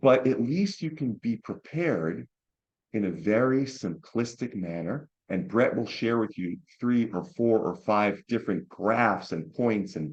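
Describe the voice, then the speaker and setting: Against a quiet background, a man speaks at a fairly slow pace and medium pitch with lively intonation, in an ordinary speaking voice. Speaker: real estate team leader. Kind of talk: video call coaching session. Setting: video call.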